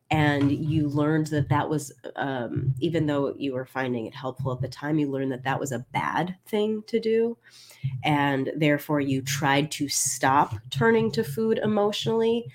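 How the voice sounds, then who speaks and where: Low-voiced congested woman coach. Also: darkish tone. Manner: chatty, candid, with small laughs and restarts. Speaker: binge eating coach. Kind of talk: live-stream talk to listeners.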